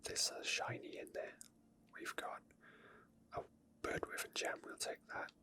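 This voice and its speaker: A person whispering unscripted ASMR gameplay commentary in a soft, breathy, unhurried way, thinking aloud. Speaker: gaming ASMR video creator.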